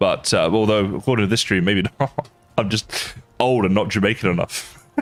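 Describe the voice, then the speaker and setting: A man with an English accent speaks at a moderate pace and a fairly low pitch. His loudness stays very even, and his pitch varies in an ordinary way. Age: 30s. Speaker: gaming streamer. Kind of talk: live gaming stream chat. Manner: casual, joking.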